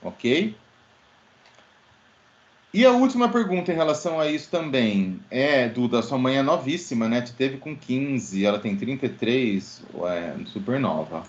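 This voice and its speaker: A man's voice: medium pitch, a little slow. A man teaching an online English class, explaining grammar and quizzing students by name. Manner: lively, questioning, addresses students by name. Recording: dull lo-fi audio.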